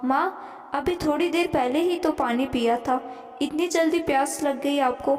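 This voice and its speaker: A woman's voice: sits high, unhurried, a little mellow, soft background music. Woman voicing an irritable grown son. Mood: annoyed. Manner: scolding, complaining. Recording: echoey room with long reverb.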